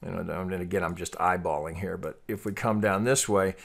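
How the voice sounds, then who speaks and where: A man with a fairly low voice talks through chart analysis as an unscripted tutorial. He thinks aloud as he goes, halting and doubling back on words in the role of a trading analyst. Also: steady tone, creaky, fairly bright tone. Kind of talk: off-the-cuff chart tutorial commentary.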